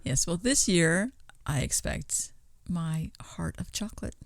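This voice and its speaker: A woman's voice: on the low side, animated, measured pace, no echo, studio quality. A woman co-hosting a podcast, chatting casually with short, informal reactions. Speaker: podcast co-host. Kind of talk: casual chat, brief reactions.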